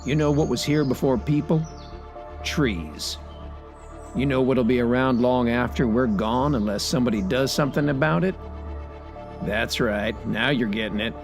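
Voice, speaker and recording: A self-important, paranoid old-fashioned crank, acted by a man, gravelly and folksy. He delivers a conspiratorial sketch comedy monologue over light music. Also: medium pitch, normal speed, lightly acted. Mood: gruff, conspiratorial. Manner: emphatic, conspiratorial.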